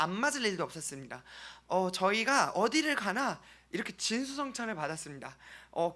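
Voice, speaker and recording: Bright-voiced Korean man giving church testimony. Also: sits high. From South Korea. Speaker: church member reporting on a mission trip. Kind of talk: testimony presentation to a congregation.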